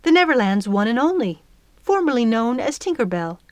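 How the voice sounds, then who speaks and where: A woman's voice: on the high side, sing-song, moderate pace, darkish tone, no room sound, pitched above the performer's own voice. A woman voicing an irritable, imperious old female fairy in a storybook, brusque and snappish. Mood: proud, impatient.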